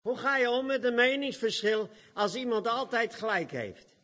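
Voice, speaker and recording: A man preaching a lively sermon, acting out the quoted dialogue of the gospel scenes and often laughing. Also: very high-pitched, moderate pace.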